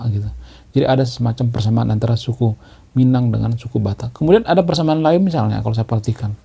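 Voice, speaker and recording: A man's voice: mid-range voice, creaky, dark tone, slightly rough. A man giving a leisurely monologue commentary, explaining his views and tagging his phrases with a questioning "ya", often repeating key words. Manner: explanatory, ends phrases with a tag "ya".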